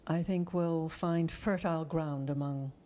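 Female interview host, slightly low relaxed voice, articulate and appreciative delivery. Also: a little slow, a little hiss or hum. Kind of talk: conversational interview hosting.

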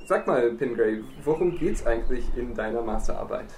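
A man hosts a podcast in a friendly way, asking questions and summing up what his guest says. His voice sounds echoey and a bit far from the mic, as if he were in a bare room. His pitch is in the middle range. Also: lively intonation, moderate pace, background noise. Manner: friendly, guiding questions, summarizing. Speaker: podcast host. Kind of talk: casual podcast interview.

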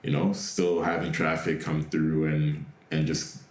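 A man's voice: rumbling low, flat delivery, measured pace. A man from Canada, a guest on a casual radio chat, talking in a laid-back way with many fillers. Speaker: guest, clothing brand owner. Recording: roomy echoey room.

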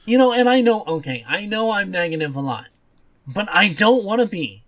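High-pitched man chatting emphatically. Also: very animated, normal speed, a bit bright. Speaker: podcast co-host. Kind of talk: casual chat reviewing superhero TV.

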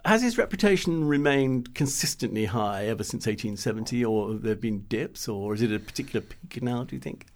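A man's voice: mid-range voice, expressive, a little fast, hardly any pauses, darkish tone. A man with an English accent interviewing an author in a conversational, somewhat hesitant way. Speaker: book editor interviewing an author.

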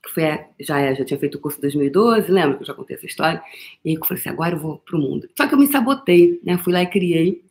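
A middle-aged Brazilian woman coaches a live audience with fervent emphasis, her voice a little low for a woman, expressive, fast and slightly mellow. She speaks with a Brazilian Portuguese accent and keeps calling the listener "meu amor." Her tone stays casual and outspoken, with mild swearing here and there.

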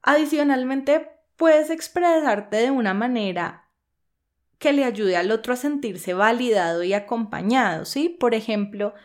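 A woman's voice: fairly high pitch, a little slow. Woman coach explaining leadership skills. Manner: explanatory, checks in with frequent "¿sí?". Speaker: podcast host and leadership coach. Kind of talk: instructional podcast talk.

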